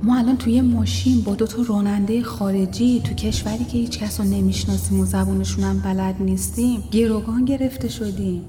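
A man's voice: high voice, fairly even intonation, hardly any pauses, mellow, slight background noise, voice pushed up, lightly acted. A man doing a worried, suspicious woman tourist. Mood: fearful. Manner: worried, questioning.

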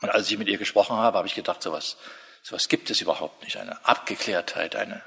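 A middle-aged man preaching a sermon in a lively, humorous way, speaking straight to his listeners. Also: on the low side, fast, vocal fry, husky. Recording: long hall reverb.

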